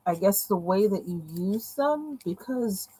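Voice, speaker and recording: A woman's voice: mid-range voice, expressive, measured pace, dark tone, husky, poor audio. A woman with a voice that is going, chatting casually and rambling with many fillers while unboxing pens at her desk. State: losing her voice. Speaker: vlogger unboxing art supplies. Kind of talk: casual chat. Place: indoors at a home desk. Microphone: camera over the desk, hands seen.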